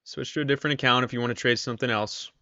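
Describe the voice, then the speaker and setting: A man's voice: medium pitch, steady tone, very fast, pushed and bright, no echo, dull audio. A man hosting a casual live stream, chatting with viewers while losing his voice. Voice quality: strained, tired voice. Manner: chatty, reads viewer comments aloud. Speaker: live-stream trader host.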